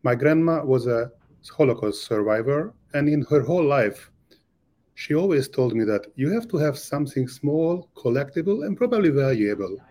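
An earnest man with a Hungarian accent introduces his startup as an interview guest. His pitch rises and falls in lively swings. His phrasing is slightly non-native. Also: normal speed. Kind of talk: interview answers.

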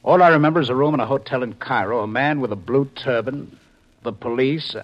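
An actor playing a desperate, intense husband in a 1950s radio science fiction thriller, speaking urgently and emphatically. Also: male voice, mid-range voice, brisk, muffled recording, lightly acted. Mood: bewildered, distressed. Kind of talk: 1950s radio drama acting. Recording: old 1950s radio recording.

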